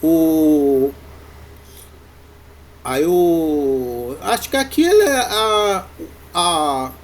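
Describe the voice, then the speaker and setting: A man with a Brazilian Portuguese accent, teaching a university Greek class in a halting way, full of fillers and restarts. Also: fairly high pitch, very animated. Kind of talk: classroom lecture.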